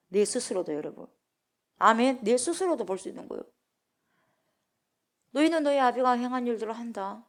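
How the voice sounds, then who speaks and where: A woman's voice: medium pitch, fairly bright tone. A middle-aged woman pastor preaching at a dawn prayer service. She speaks with emphasis, puts questions to the congregation and answers them herself, and raises her voice when she acts out the speakers in scripture.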